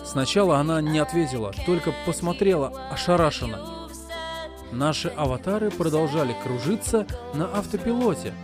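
A young man narrating an audiobook in first person, voicing his own lines in expressive dialogue. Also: fairly high pitch, normal speed, over music. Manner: expressive, moving from quiet narration to heated outbursts.

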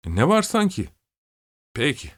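A man's voice: medium pitch, wildly swooping pitch, a little slow, fairly bright tone, no echo, clean studio sound, voice pushed up, heavily acted. A man voicing a cheeky young male servant in an audiobook, brash and teasing. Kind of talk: audiobook character voice.

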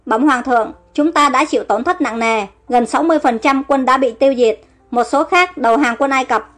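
An urgent battlefield messenger, read by a woman narrator hurries through grim reports to his king in an audio storybook. The voice is high and quick. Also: a bit bright, soft background music. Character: dutiful soldier delivering grim battle reports.

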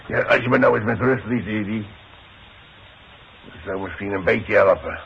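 An actor playing a proud, grumbling old demolition worker forced into retirement, gruff and halting, in a 1960s radio play. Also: male voice, fairly low pitch. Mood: weary, irritable. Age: older. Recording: muffled, noisy 1960s radio broadcast.

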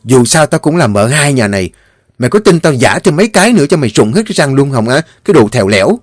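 A man's voice: medium pitch, dry recording, studio quality, voice pushed up, lightly acted. A man playing a fiery young wife. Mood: furious. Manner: sharp, indignant, fast retorts. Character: spirited young wife, daughter-in-law of a rich house.

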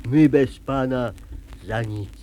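A man's voice: medium pitch, slow, warm tone, a little hiss or hum, natural voice. A man voicing a cheerful, greedy, childlike little dragon in a children's puppet show. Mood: pleading, playful. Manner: childlike, playful, emphatic.

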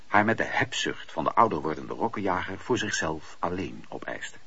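A man narrating a radio play as an expressive, theatrical storyteller. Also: on the low side, vocal fry, breathy edge, exaggerated voice. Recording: dull lo-fi radio play recording.

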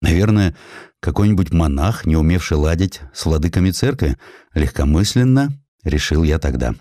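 A man with a low voice narrates a literary audiobook. His delivery is highly animated, with rhetorical turns and emphatic pauses. The sound is dry and close. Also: no echo. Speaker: audiobook narrator, reading in the author's first person. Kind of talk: expressive dramatized literary narration.

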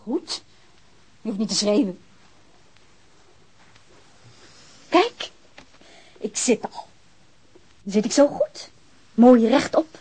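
A woman's voice: on the high side, lively intonation, slow, long pauses, dark tone, slightly rough, full character voice. A woman playing a defiant, grieving bereaved woman in a Dutch radio drama, curt, sarcastic and defensive.

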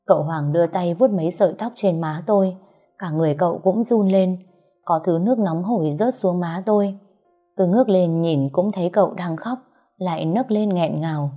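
A woman narrating an emotional first-person love story in a soft, heartfelt way. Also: lowish voice, normal speed. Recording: slightly muffled, soft background music.

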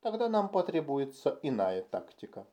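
A man voicing a timid but cunning alien puppeteer in an audiobook, speaking in a calm, precise, scheming way. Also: fairly high pitch, normal speed. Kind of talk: audiobook character voice.

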